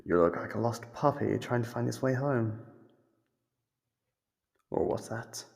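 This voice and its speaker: A man playing a sadistic, playfully menacing monster captor in an ASMR horror roleplay, with a gravelly, husky voice and a slow, teasing delivery. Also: mid-range voice, darkish tone. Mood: taunting, amused.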